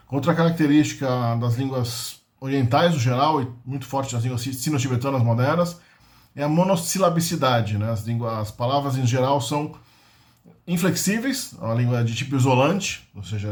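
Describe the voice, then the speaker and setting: A man giving an informal linguistics lesson, explaining patiently and sounding out foreign words. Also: mid-range voice. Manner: explains slowly with many fillers and restarts, sounds out foreign words. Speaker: linguistics channel host.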